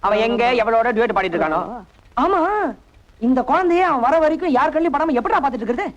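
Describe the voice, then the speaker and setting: An actor playing a nervous, flustered young bachelor in a film comedy. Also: male voice, very high-pitched, sing-song, fast talker, lo-fi sound, background noise. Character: jittery young bachelor hiding a baby.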